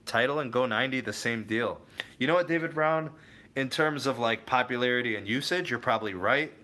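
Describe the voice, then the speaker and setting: This young man from the Cleveland area in the US chats casually on a tech stream, going through viewer comments and addressing people by name. Fairly quick and bright with a forceful tone at medium pitch, he rambles and keeps backtracking mid-thought.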